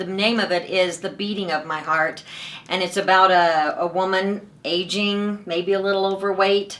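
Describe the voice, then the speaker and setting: A woman with an American accent speaks at medium pitch and a moderate pace in a flat, monotone way, with noticeable background noise. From US Pacific Northwest, Oregon. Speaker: singer, actress and ventriloquist. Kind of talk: interview.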